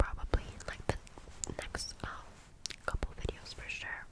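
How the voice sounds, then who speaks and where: A woman whispers fairly slowly while noticeable background noise carries on around her. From Cambodia. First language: Khmer. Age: young. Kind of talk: ASMR whisper ramble. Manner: whispered.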